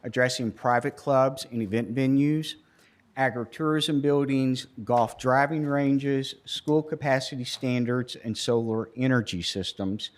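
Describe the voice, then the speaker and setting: A man's voice: medium pitch, measured pace. An American man, a county planning administrator, formally presenting at a public government meeting. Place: local government meeting room, at podium.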